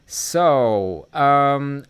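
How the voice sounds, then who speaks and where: Slow-talking German man on a live stream. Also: medium pitch, lively intonation, smooth. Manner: rambling, many fillers and restarts. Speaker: livestream host answering chat. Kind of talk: casual live stream chat.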